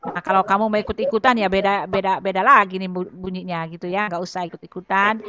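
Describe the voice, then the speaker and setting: A woman hosting a casual video call, talking in a chatty, animated way and repeating herself. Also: medium pitch, quick pace. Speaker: host. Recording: muffled lo-fi with crowd noise.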